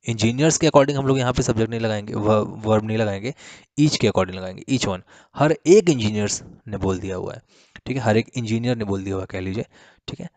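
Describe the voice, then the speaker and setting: A man with a lowish voice teaches English grammar in Hindi, repeating key words and spelling them out letter by letter. He reads the example sentences slowly and deliberately. The sound is dry and close, with no room echo. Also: darkish tone. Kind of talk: exam-prep grammar lesson.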